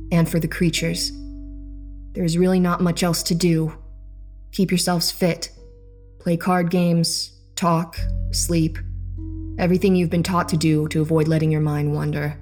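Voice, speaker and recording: A man voicing a calm, commanding female squad leader in a horror story read over soft music. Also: a little high, pitched above the performer's own voice, lightly acted. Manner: steady, reassuring, matter-of-fact orders.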